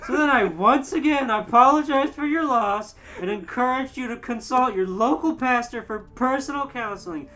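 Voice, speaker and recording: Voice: high voice, moderate pace, few pauses, pushed and bright, pitched above the performer's own voice, rough recording. A podcaster playing an exasperated grown man who rants furiously in a comedic story reading. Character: exasperated, ranting grown man blowing his stack.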